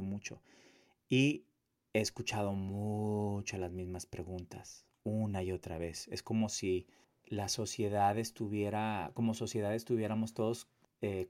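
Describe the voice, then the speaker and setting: A man's voice: lowish voice, fairly even intonation, measured pace, darkish tone. A man giving a personal testimony monologue, emphatic, with repetition and rhetorical questions. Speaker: activist and abuse survivor telling own story.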